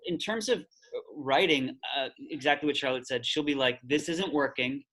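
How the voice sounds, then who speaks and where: A man's voice: medium pitch, fairly bright tone, poor audio. A man who is a playwright, chatting casually on a video call and poking fun at himself. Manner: rapid, self-deprecating, quotes himself. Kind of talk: casual interview chat.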